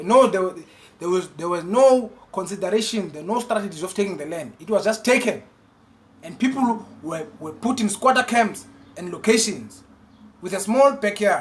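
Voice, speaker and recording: A man with a South African accent talks at a high pitch with lively intonation and big swings in loudness. Noticeable background noise sits behind him. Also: moderate pace. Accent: Xhosa-accented English. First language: Xhosa. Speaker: vlogger. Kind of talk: political rant. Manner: halting; impassioned.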